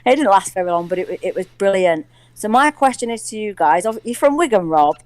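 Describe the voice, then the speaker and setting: Excitable chatty woman, 40s, from hull, mid pitch, super dry close sound. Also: no room sound. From Hull, England. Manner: chatty and excitable, quick to laugh. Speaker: caller. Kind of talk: casual call-in chat.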